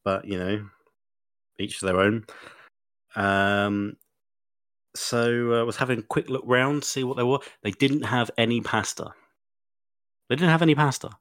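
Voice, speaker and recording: A man's voice: medium pitch, steady tone, normal speed, pauses often, fairly bright tone, dry recording, studio quality. A man co-hosting a podcast, telling rambling stories full of fillers and sounding a bit sniffly. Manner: rambling, chatty storytelling with many fillers. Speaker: podcast co-host. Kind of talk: casual chat.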